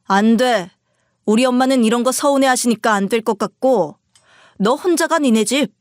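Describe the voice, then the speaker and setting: A woman's voice: fairly high pitch, normal speed, dry recording, clean studio sound, lightly acted. A woman voicing an arrogant, dismissive husband who talks down curtly and contemptuously. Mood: cold contempt. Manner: curt and contemptuous.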